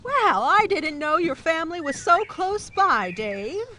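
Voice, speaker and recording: A woman's voice: very high-pitched, sing-song, unhurried, pushed and bright, heavily acted. A woman playing a friendly, hospitable small-town woman who talks in a folksy, welcoming way.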